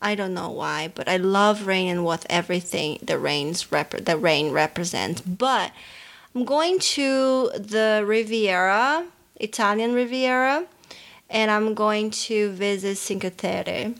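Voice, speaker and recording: A woman in her thirties from Brazil, with a Brazilian accent, co-hosting a podcast in casual chat. She rambles, restarting sentences and filling pauses with "um". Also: mid-range voice, fairly bright tone. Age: 30s. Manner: rambling, many restarts and fillers. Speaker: podcast co-host.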